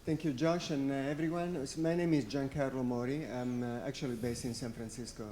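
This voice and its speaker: Panelist, man in forties, warm mellow tone, easygoing, faint room hum. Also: medium pitch, fairly quick. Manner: relaxed, self-deprecating. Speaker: panelist, publisher CEO. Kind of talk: conference panel introduction.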